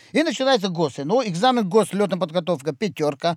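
A man's voice with very wide pitch swings at a moderate pace, dry and close with no echo, on a very clean recording with a silent background. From Tajikistan, Pamir mountains (Khorog). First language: Pamiri language (not Russian) (speaking Russian). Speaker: flight instructor, former military pilot. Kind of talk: casual chat.

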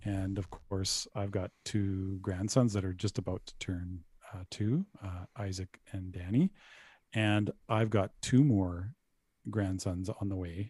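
Somewhat breathy and fairly low in pitch, a man with a Canadian accent speaks at a very slow pace with a dark, mellow tone, fairly even intonation and big swings in loudness, the sound dry and close with no echo. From Canada. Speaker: jazz musician. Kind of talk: casual interview. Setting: video call.

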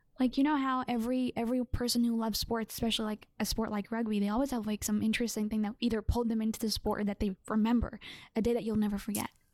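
With a dry, close sound and no echo, a woman talks at a very fast pace in a fairly high, monotone, flat voice. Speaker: podcast host. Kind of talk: casual interview chat.

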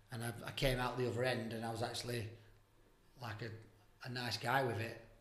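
Monotone, flat intonation in an English accent at a fairly quick pace. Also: man. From England. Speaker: former professional footballer. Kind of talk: casual chat. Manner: controls stammer.

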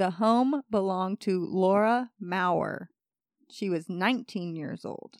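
Speaking very slowly at a medium pitch, a woman is recorded with a dry, close sound, no echo and a quiet background. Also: ordinary pitch variation. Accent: Midwestern US. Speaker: true crime podcast host. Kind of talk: casual chat with storytelling of a true crime case.

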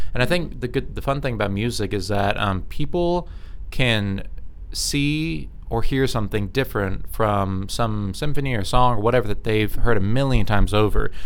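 A man's unremarkable speaking voice at medium pitch, with lively intonation at a moderate pace. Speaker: musician and co-host.

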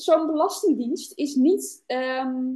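With a dark, mellow tone, a woman speaks in a high pitch with ordinary pitch variation. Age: 20s. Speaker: founder of a sustainability initiative. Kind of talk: casual interview.

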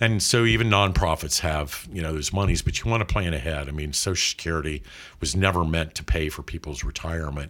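Here a man talks at a fairly quick pace with ordinary pitch variation. His pitch is very deep and low, and there is vocal fry. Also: very clean recording, silent background. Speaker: college finance executive. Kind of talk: interview.

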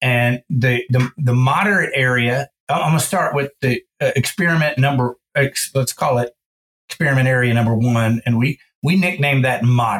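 A man speaks with a Texan accent at a medium pitch and a moderate pace, with ordinary pitch variation. His loudness stays very even, and the sound is dry and close with no echo. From Texas, hill country. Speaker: wildlife biologist. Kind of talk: interview.

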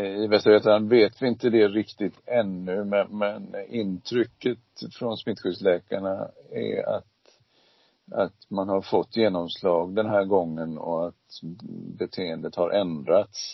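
A man at a very slow pace, fairly low in pitch, with fairly even intonation. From Sweden, Gothenburg. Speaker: infectious disease physician. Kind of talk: interview. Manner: halting.

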